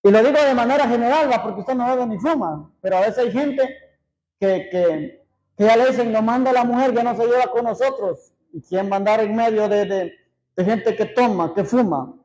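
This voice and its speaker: A pastor with a strikingly high voice delivers a sermon. He reads scripture at a measured pace, then turns to the congregation with plain, conversational asides. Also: a little mellow, low-quality recording.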